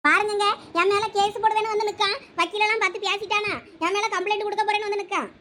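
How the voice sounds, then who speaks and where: A woman plays a sharp-tongued middle-aged elder sister in a cartoon family feud, with a Thoothukudi Tamil accent. Her very high, bright voice rattles off scolding quickly. She gives no ground. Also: level tone. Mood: aggrieved. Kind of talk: cartoon family drama voice acting.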